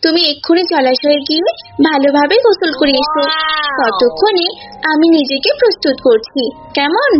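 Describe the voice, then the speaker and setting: A woman's voice: high-pitched, lively intonation, moderate pace, dull audio, loud music behind the voice. A woman voicing a clever, unafraid young cow in a cartoon folk tale, coaxing and politely reasoning. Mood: sweetly reassuring. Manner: coaxing, reasoning, addresses listener as uncle.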